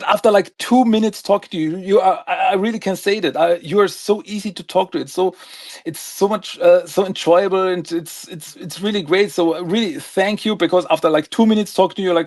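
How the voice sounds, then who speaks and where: A man with an Austrian accent speaks at a fairly quick pace in a high voice, with hardly any pauses and noticeable background noise. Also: ordinary pitch variation. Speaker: podcast host. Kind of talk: interview. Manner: hesitant, many fillers and repeats.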